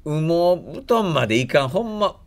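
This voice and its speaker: Osaka man with very lively intonation. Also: a little high, normal speed. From Osaka, Japan. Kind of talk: casual radio chat.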